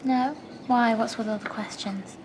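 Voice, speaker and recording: An actress in a TV drama playing a calm, sensible woman doctor who speaks reasonably. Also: on the high side, unhurried, noisy background, natural voice. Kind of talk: TV drama acting.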